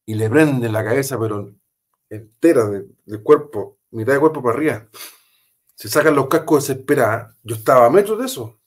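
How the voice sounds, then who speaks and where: A man with a Chilean accent tells a story as an interview guest, in a middle-pitched voice. He talks emphatically, repeats his phrases and uses casual slang. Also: lively intonation, fairly quick. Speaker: interview guest, former police officer.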